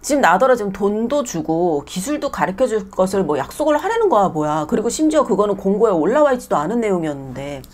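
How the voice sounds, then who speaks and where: Woman, salon owner, casual vlog monologue, exasperated, blunt, lively pitch. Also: fast, hardly any pauses. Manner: switches between polite and plain speech.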